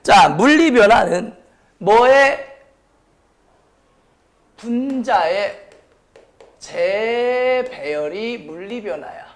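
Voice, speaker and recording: A male science teacher gives a lecture in a notably high voice. His throat sounds sore and strained. He speaks bluntly and informally, steering the explanation with frequent questions to his students. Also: expressive, drawn-out words, pauses often. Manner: question-and-answer delivery, repeatedly prompting students. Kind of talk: high school chemistry lecture.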